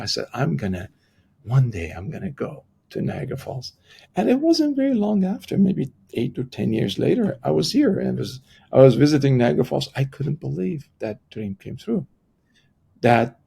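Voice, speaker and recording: A middle-aged man with an Iranian accent and a husky, gravelly voice, telling personal stories reflectively as an interview guest. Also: mid-range voice, dark tone. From Iran. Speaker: podcast guest, transformational coach.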